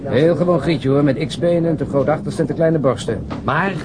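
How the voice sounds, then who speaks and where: An actor playing a coarse, wisecracking police detective in a radio crime drama, grumbling and mocking in a blunt way. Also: male voice, fairly high pitch, normal speed, noisy background, natural voice.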